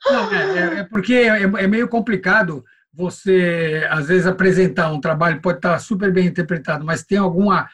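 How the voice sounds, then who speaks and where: A man talking casually in an interview, explaining things haltingly and repeating words as he goes. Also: high-pitched, animated, fairly bright tone. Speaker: voice-over course teacher.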